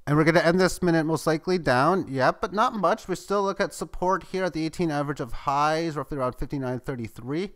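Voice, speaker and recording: A man's voice: fast, few pauses. Man calling live price ticks. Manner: running play-by-play, excitable at highs. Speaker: market chart analyst. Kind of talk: live trading commentary.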